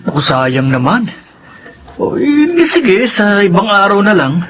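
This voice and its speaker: An evasive, slippery drinking buddy. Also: male voice, sits high, sing-song, unhurried, a bit bright, heavily acted. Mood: coaxing. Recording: clear background noise.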